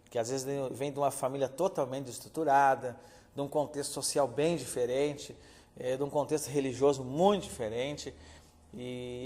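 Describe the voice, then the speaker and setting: Earnest pastor teaching a Bible class. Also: male voice, mid-range voice, dark tone. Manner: earnest, addresses listeners as brothers, many filler "né". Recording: reverberant hall.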